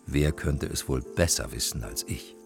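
A man reading a fairy tale aloud and voicing a proud reindeer from the far north, slow and deep. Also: creaky, exaggerated voice. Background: music.

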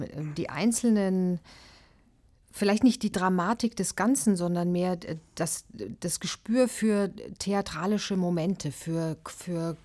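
A woman music critic answering on a radio panel, thinking aloud with many pauses and fillers and sometimes dropping into a near whisper. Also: fairly low pitch, dark tone. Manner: searching for words, hesitant with many fillers, drops to a whisper at times. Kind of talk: thoughtful spontaneous discussion.

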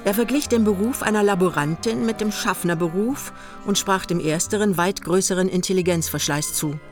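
An actress playing a detached, ironic narrator in a radio play, telling the story in measured, dry literary prose. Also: female voice, medium pitch, faint music behind, lightly acted. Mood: dry, observing.

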